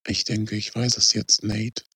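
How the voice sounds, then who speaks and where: A man's voice: fairly low pitch, monotone, measured pace, husky, no echo, full character voice. A man doing a faint, dying young man. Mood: fading, resigned. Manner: quiet, hushed speech.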